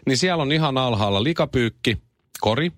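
A man in his thirties hosting a morning radio show. He reads the news and tells animated stories. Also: mid-range voice, no room sound, clean studio sound. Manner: animated storyteller.

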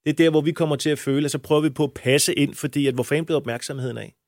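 A man's voice: on the high side, steady tone, dry recording, studio quality. A man talking as a coach in an interview, blunt and emphatic, with frequent crude language. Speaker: men's coach. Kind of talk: interview answers.

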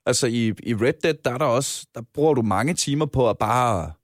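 A man's voice: mid-range voice, dry recording, clean studio sound. A man co-hosting a casual podcast about video games, talking in a hesitant way with many restarts. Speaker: podcast co-host.

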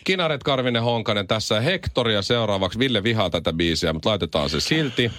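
A man hosting a radio morning show, bantering and spinning comic schemes in an animated way in the studio. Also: on the low side. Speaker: radio host.

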